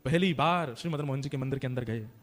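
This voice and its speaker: A man telling a devotional story in an animated, dramatic way. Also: medium pitch, rapid-fire, in a large hall. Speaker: religious storyteller.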